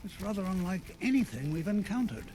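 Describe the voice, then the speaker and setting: An actor playing a kindly, cautious elderly wizard teacher in a video game, gentle and courteous in manner. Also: male voice, high voice, big pitch swings. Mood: patient, instructive. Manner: gentle, measured, courteous lecturing. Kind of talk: video game character acting. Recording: game audio with clear background noise.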